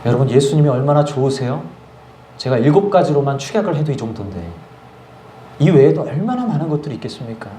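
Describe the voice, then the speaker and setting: A man preaching a sermon as pastor, telling a personal testimony in a lively storytelling way and acting out his own prayers. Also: medium pitch, quick pace, roomy sound, a little hiss or hum. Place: church service.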